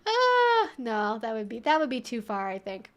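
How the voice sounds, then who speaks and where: Giggling often, this livestream host chats with her viewers in a playful, wry, mock-serious manner. Her high-leaning voice swings widely in pitch and has a fairly bright tone at a normal speed, with the highs cut off.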